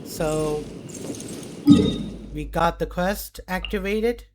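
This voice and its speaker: A woman hosting a gameplay video with casual commentary, halting and often repeating her phrases. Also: on the low side, background noise. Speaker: gaming video host. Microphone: mic propped on stack of books. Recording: loud music behind the voice.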